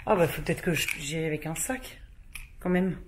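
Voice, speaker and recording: Slight background noise accompanies this twenty-something woman's low, brisk voice as she vlogs from home. She chats casually and playfully to camera, poking fun at herself.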